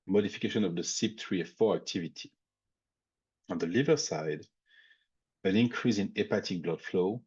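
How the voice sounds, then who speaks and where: An industry expert with a French accent presents a technical webinar, thinking aloud with frequent fillers and restarts. His low voice has a darkish, husky tone, and the audio sounds dull.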